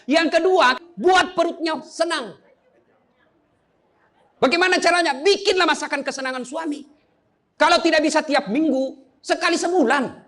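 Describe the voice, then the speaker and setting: A man's voice: very high-pitched, moderate pace, pauses often, a bit bright. A middle-aged man with a Makassar Indonesian accent preaching a humorous sermon, teasing his audience with playful asides.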